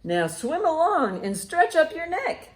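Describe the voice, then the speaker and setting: Animated woman leading children's storytime, echoey room. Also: very high-pitched, unhurried. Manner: animated, encouraging, sing-song delivery for small children. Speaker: library storytime host. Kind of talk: children's storytime with songs, rhymes and picture-book reading. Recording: roomy, echoey indoor sound.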